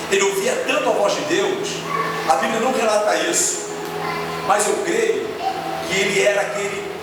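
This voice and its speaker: A middle-aged man with a Brazilian Portuguese accent preaching a sermon, telling stories animatedly and acting out dialogue. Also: high voice. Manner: animated storytelling, acts out dialogue. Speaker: pastor. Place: church hall. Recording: echoey church hall, distant mic, noisy.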